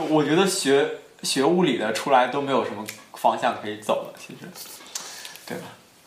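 A man speaks at a moderate pace with a fairly high pitch, lively intonation and big swings in loudness. Long, frequent pauses break up his speech, with noticeable background noise and audible room echo. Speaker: student podcast co-host. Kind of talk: casual chat.

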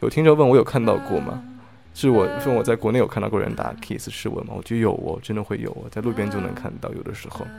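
Very fast male speech against noticeable background noise. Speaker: podcast host. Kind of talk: casual chat.

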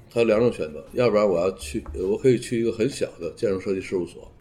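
A man speaks at medium pitch. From Beijing. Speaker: urban planning professor. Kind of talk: interview, expert explanation.

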